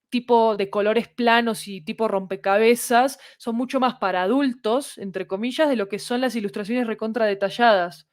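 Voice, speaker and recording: A woman with a Latin American Spanish accent explains things in casual conversation, thinking aloud and often checking that the listener follows. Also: fairly high pitch. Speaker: podcast creator guest.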